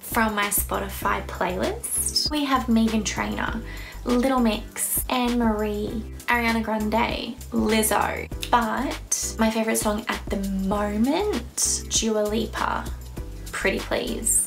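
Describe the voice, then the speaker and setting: A woman with an Australian accent at a very slow pace, clear music in the background. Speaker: new vlogger. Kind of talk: casual talk to camera. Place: home room. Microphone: phone near.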